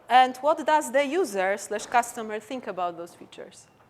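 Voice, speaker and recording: A woman speaks with a Polish accent. Her pitch is high. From Poland. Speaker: conference speaker. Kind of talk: conference Q&A.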